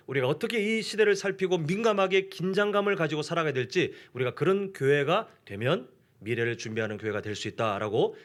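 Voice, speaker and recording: A man preaching a sermon in a church, talking conversationally and putting questions to the congregation. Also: a little high. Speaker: pastor. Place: church sanctuary.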